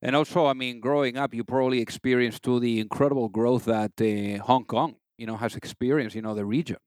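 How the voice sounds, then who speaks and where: A man's voice: medium pitch, steady tone, a little fast, darkish tone, no echo. A man hosting an interview podcast, chatty and informal, with plenty of "you know" fillers. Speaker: podcast host.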